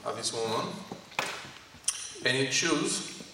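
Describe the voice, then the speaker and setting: A man with a Greek French accent giving a lecture to an audience in a college hall, speaking in short halting phrases and asking the audience questions. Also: medium pitch, animated. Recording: echoey hall from far off, faint noise.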